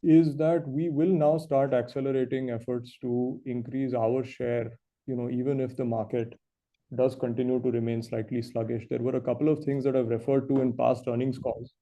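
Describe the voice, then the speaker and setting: A man speaking as a company executive, giving measured, explanatory answers on an earnings call. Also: medium pitch, muffled recording.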